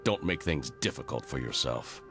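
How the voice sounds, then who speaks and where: Game henchman: very low voice, formal, cold, condescending. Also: lively intonation, moderate pace, fairly bright tone, soft background music, heavily acted. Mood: cold, dismissive. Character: cold, haughty villainous henchman, officious and dismissive. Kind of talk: video game voice acting.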